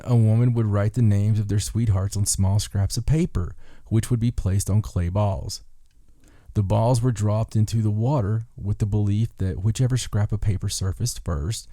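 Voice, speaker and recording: A man's voice: fairly low pitch, dark tone, no room sound. A man hosting a podcast, reading out folklore in a casual way with dry, joking asides. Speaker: podcast host.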